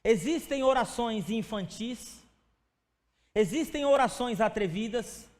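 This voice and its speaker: A man with a very high-pitched, expressive, slightly mellow voice speaks slowly. He's a pastor giving a conversational sermon in a church sanctuary, addressing the congregation by name and acting out little stories with quoted voices. The recording carries the long reverb of a church hall.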